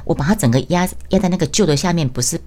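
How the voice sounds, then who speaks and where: A woman's voice: on the low side, racing. A middle-aged woman casually recounting her job, acting out quoted exchanges with sudden raised voices. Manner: animated, acts out quoted lines in raised voice. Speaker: voice worker recounting her tofu stall job. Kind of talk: casual storytelling monologue.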